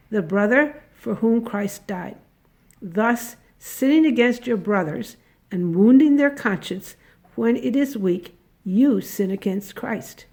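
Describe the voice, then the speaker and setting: A middle-aged woman reads a Bible passage aloud in church-lector style. Her voice sits a little high and has a noticeable fry. She delivers the text solemnly, one measured phrase at a time. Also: a little mellow. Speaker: lay scripture reader. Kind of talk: solemn scripture reading.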